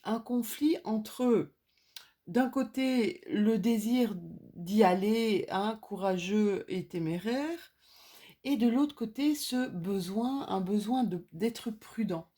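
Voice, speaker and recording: A woman's voice: fairly high pitch, slow pace, warm tone. A French-speaking woman giving a casual oracle card reading at home, chatty and self-mocking, drifting off topic now and then. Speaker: astrology and oracle card reader.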